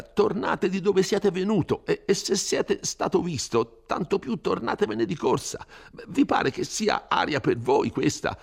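A man voicing a frightened, fretful old village priest, stammering and pleading in a high, strained voice. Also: vocal fry, husky, exaggerated voice.

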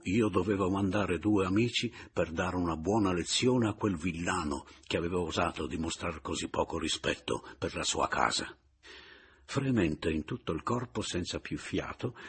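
A man narrating a literary audiobook with an expressive, dramatic reading. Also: sits low, husky. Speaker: audiobook reader.

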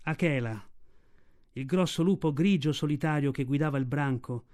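A man reading a classic story aloud as a radio audiobook narrator, with expressive storytelling. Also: a little high, normal speed. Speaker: audiobook reader. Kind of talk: scripted narration.

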